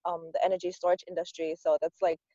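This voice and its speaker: A young woman from Singapore speaking as a panelist on a video call, soft-spoken and halting. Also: lowish voice, little pitch movement, no room sound. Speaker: panelist, data analyst. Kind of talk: casual chat on a video call. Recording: dull dry video call audio.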